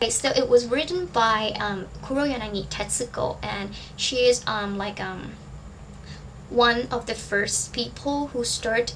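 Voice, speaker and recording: A woman's fairly high voice in a Thai accent, with ordinary pitch variation and a fairly slow pace, amid audible room echo and noticeable background noise. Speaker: book vlogger. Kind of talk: casual vlog talk to camera. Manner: hesitant, many fillers.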